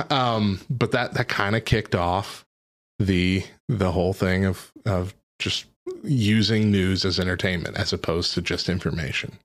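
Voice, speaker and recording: Male podcast co-host, lowish voice, loose rambling delivery with lots of "uh" and "like". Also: unhurried, a bit bright. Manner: rambling, laid-back storytelling with frequent fillers. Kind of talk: casual chat.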